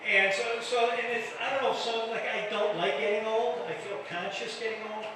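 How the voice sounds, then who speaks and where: A man's voice: sits high, fairly even intonation, moderate pace. Self-deprecating stammering man in an echoey club. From Detroit area. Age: older. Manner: self-deprecating, stammering restarts, banters with the crowd. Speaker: stand-up comedian. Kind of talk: stand-up comedy set. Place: comedy club stage. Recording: echoey club from far off, crowd noise.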